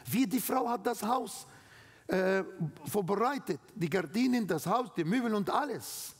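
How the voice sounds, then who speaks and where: Slow Arabic-accented male preacher. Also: high-pitched. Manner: slow, emphatic, broken German with non-native grammar. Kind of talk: sermon. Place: church hall. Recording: long hall reverb.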